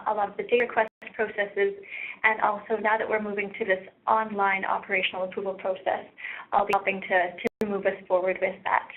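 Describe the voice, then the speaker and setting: A soft-spoken woman presenting a webinar from a meeting room, with frequent ums and uhs. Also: medium pitch. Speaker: research practice lead presenting. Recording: tinny phone-like webinar audio.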